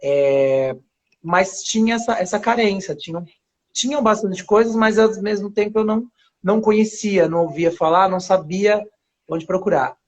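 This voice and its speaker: A man's voice: high-pitched, normal speed. Man from Paraíba with a São Paulo accent. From Paraíba, Brazil. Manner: rambling, with many restarts and soft laughs. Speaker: guest actor. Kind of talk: casual interview on a live stream. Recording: dull lo-fi live stream audio.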